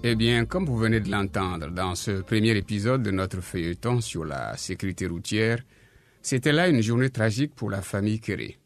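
Low-voiced male radio presenter. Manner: measured, explanatory. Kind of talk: scripted narration. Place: radio studio.

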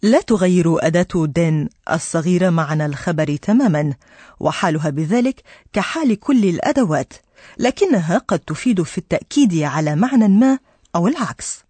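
Lively husky woman language teacher. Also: fairly low pitch, a little fast, no room sound. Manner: patient, clear explanations addressed to listeners. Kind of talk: explaining a language lesson on radio.

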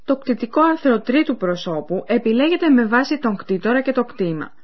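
Through dull, muffled lo-fi radio audio, a female course presenter explains material clearly to her listeners. Her scripted educational delivery carries an animated pitch.

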